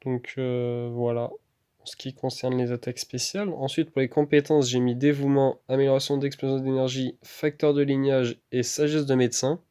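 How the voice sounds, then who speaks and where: A man talking through a gameplay video in a relaxed, chatty way. His voice is smooth and clear, and his pitch stays fairly level. He keeps pausing on fillers and restarting his sentences. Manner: hesitant, full of fillers and restarts. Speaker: gaming YouTuber. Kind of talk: casual gameplay voice-over commentary.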